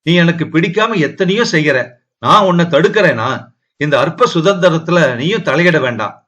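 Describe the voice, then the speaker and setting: A man's voice: a little high, lively intonation, moderate pace, fairly bright tone. A man reading as a bitter, sarcastic husband. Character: Durai, a bitter, defensive young husband. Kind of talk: audiobook character reading.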